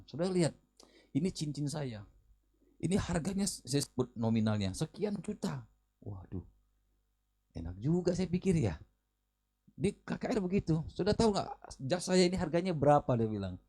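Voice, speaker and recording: A male pastor preaching, telling a lively personal story in a conversational way and often turning to address the congregation. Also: on the high side. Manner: animated storytelling with quoted dialogue; conversational, addresses listeners as brothers and sisters. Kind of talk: sermon.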